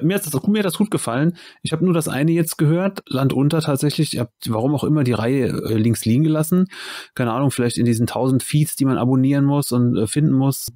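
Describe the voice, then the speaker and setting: Mellow, thoughtful man in discussion. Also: mid-range voice, dry recording, studio quality. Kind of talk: casual chat.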